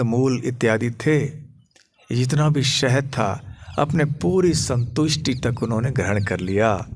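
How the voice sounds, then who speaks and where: A monk preaching at a temple, telling a sacred story in a slow, measured voice. He speaks gently and pauses to search for words. A light hiss of noise sits behind him. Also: mid-range voice. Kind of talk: sermon storytelling. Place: temple on a pilgrimage tour.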